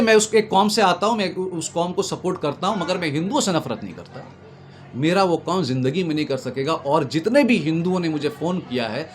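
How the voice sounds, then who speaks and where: A man making an impassioned political argument, emphatic and repetitive, building his points in oratorical lists. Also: on the high side. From Bengal, India. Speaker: political commentator being interviewed. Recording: noticeable background noise.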